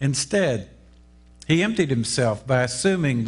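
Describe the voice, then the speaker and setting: At a moderate pace, a man is talking. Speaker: preacher. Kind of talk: sermon. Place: church. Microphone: podium.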